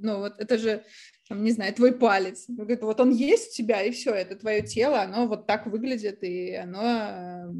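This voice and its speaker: A woman speaks at a fairly slow pace in a fairly high, dark, mellow tone. Her intonation stays fairly even. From Russia, Chuvashia. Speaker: newspaper editor and dairy industry official. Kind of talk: casual chat.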